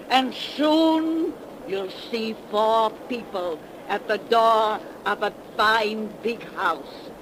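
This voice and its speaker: A cackling ancient witch, on hissy 1930s radio. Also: fairly high pitch. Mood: spooky. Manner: cackling, slow rustic folksy drawl. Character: ancient cackling female witch, 110 years old. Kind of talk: 1930s radio drama acting.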